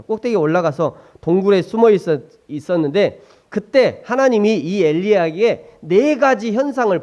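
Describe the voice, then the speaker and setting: Animated preaching man, high lively voice. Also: muffled recording. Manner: animated preaching, asks the congregation questions, acts out quoted lines. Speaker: pastor. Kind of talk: sermon.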